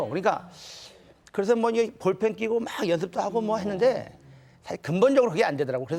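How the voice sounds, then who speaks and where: Lively intonation carries speech at a very fast pace over noticeable background noise. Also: man, high pitch for a man. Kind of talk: casual, conversational.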